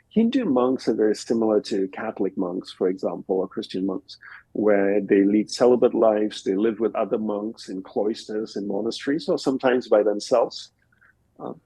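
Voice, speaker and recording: Mellow low-voiced man explaining calmly. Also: slightly rough, no echo, rough recording. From Australia. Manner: reflective, explains in plain step-by-step examples. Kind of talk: relaxed conversational interview answers. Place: home in Costa Rica.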